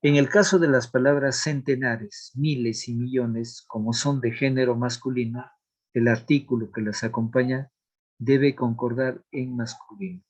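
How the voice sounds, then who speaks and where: A man teaching a grammar lesson, explaining rules slowly and deliberately, reading out examples and checking in with the class. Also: medium pitch, steady tone. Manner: asks checking questions of the class.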